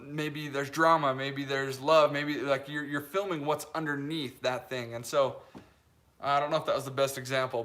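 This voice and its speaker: A man's voice: fairly high pitch, fairly bright tone. A man in his late twenties from Utah, hosting a casual live stream and chatting loosely through viewer comments, with lots of fillers and restarts. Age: 20s. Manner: rambling, with many restarts and fillers, laughs easily.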